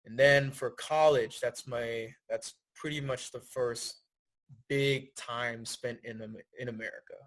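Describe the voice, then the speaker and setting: Laid back guy in his 20s from thailand, guest on a podcast, middle pitch. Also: steady tone, unhurried, a bit bright. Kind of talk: casual interview chat.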